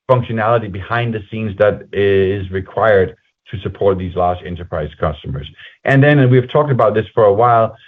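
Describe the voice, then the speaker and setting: A man presenting company results on a conference call in a halting, conversational, explanatory way, as an executive speaking to investors. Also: lowish voice. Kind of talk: semi-scripted earnings call presentation. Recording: muffled phone-like conference call line.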